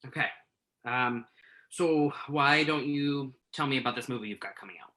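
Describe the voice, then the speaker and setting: A man's voice: mid-range voice, moderate pace, sharp tone, lightly acted. A man acting the part of a nervous, earnest entertainment journalist in a conversational play reading, tentative and thoughtful as he interviews. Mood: nervous, polite. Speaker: actor in a virtual staged reading.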